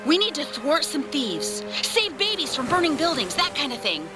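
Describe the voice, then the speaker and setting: A woman's voice: high voice, sing-song, normal speed, music in the background. A woman playing an eager, gung-ho young wife turned superheroine in an audio drama, exclaiming her lines. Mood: playful, eager. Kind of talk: fiction podcast acting.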